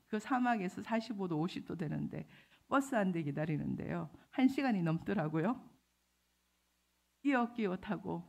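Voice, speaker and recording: A woman's voice: lowish voice, vocal fry. A middle-aged woman missionary giving an emotional testimony sermon, acting out the voices she quotes. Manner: emotional storytelling, acts out quoted voices loudly. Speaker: missionary preacher.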